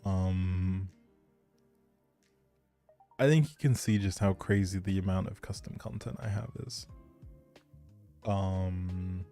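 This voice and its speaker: A man's voice: low-pitched, takes it slowly, pauses often, mellow, faint music behind. A man chatting casually and thinking aloud on a gaming livestream, easygoing and polite. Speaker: video game livestreamer.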